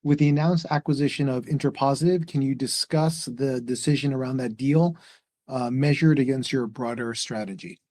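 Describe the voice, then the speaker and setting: A man's voice: mid-range voice, moderate pace, darkish tone. A man moderating an earnings call, reading out analysts' questions.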